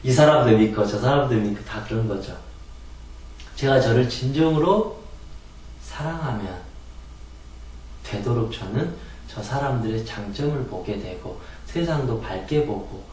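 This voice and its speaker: A man's voice: medium pitch, lively intonation, moderate pace, darkish tone, a little hiss or hum. Man lecturing in a very echoey room. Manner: earnest, explanatory, rhetorical questions, acts out quoted pleas. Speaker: meditation and hypnosis lecturer. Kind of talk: spoken lecture on calming anger. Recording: very echoey room, distant mic.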